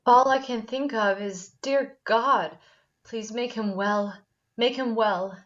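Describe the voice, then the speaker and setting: Woman as a slow-speaking, lovesick teenage girl, muffled audio. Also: fairly high pitch. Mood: pleading. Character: lovesick, anxious, devout high school girl Deanie. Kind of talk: virtual table read of a screenplay. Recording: dull, lo-fi online call audio.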